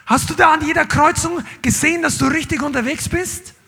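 A middle-aged man preaching a sermon to a congregation, swinging between loud calls and low asides. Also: fairly quick, gravelly. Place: church hall with live congregation.

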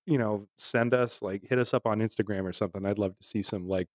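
A man's voice: lowish voice, fairly even intonation, quick pace, dry recording, studio quality. A man from Massachusetts co-hosting a podcast in casual chat, telling stories in a rambling way and laughing often. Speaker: podcast co-host.

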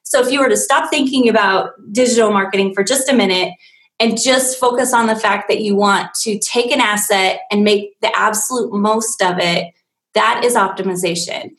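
Woman host, talks fast and eager about her field, sound bounces in the room. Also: medium pitch, a bit bright, reverberant, rough recording. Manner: enthusiastic, chatty, nerdy about her subject. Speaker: digital marketing agency owner. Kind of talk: casual live-stream chat.

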